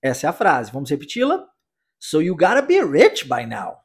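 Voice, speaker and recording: A Brazilian man teaching an English lesson, upbeat, slowly drilling phrases for his listeners to repeat. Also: a little high, huge pitch swings, breathy edge. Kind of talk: English lesson for Portuguese speakers.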